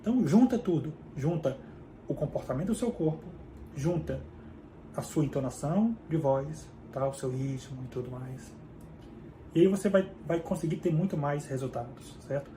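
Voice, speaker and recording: A man with a fairly high-pitched but dark voice and a Brazilian Portuguese accent hosts a casual book summary channel. He explains conversationally, regularly checking in with "tá?" and "certo?". The room is echoey, with a faint background hum.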